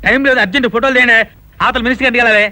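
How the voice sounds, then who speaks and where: An actor playing a cheeky, scheming beggar who talks breezily. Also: male voice, very high voice, steady tone, very fast, pushed and bright, no echo, exaggerated voice. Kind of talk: film comedy.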